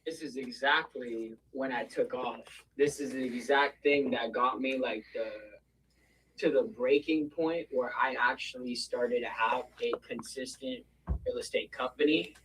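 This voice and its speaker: Guest, man, animated storyteller, sits away from the mic on a call, mid pitch. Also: measured pace, far from the mic, slight background noise, rough recording. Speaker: guest, real estate investor. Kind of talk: telling a deal story.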